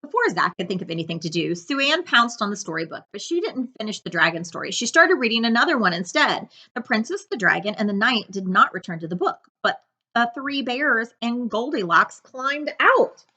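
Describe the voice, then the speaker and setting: A middle-aged woman reads a children's story aloud with lots of expression. Her voice sits fairly high and swings widely in pitch, with a bright, forward edge. She adds asides as she goes. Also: sing-song, fairly quick. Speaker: librarian reading aloud. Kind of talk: children's picture-book read-aloud with asides. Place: living room couch, indoors.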